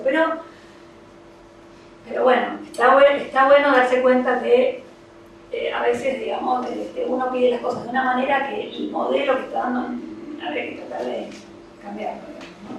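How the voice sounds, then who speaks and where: A woman's voice: a little high, creaky, slight background noise. A woman with a Rioplatense Spanish accent, a child psychology professional, giving an informal, conversational talk to parents, explaining things with frequent fillers. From Argentina. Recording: echoey room, distant mic, faint ambience.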